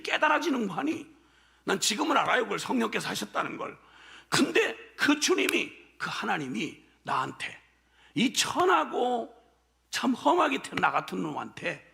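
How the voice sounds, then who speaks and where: An older man delivers a sermon in a church with a strikingly high, heavily gravelly voice. His pitch swings all over as he preaches with passion. His tone stays bright and forceful. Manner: impassioned, colloquial preaching with shouted peaks. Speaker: pastor. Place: church sanctuary.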